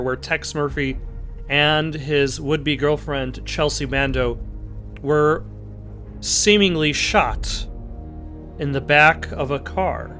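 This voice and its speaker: Casting: male gameplay commentator, lighter raised pitch, unscripted and halting, chatting through his thoughts over music. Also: sharp tone. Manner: halting, thinking aloud. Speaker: let's play host. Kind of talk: casual, improvised gameplay commentary.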